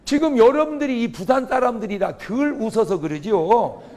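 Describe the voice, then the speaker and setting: A man's voice: extremely high pitch, normal speed, darkish tone. A male pastor giving a humorous revival sermon, firing questions at the congregation and exclaiming. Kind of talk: revival sermon with audience call-and-response. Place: church or large auditorium before a congregation.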